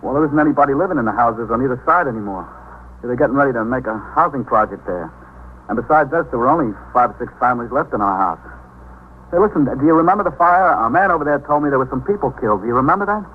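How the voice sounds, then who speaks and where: A man's voice: mid-range voice, lively intonation, fast talker, natural voice. An actor playing an anxious young sailor searching for his missing family, stammering and worried, in 1950s radio drama style. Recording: tinny old radio recording with faint hiss.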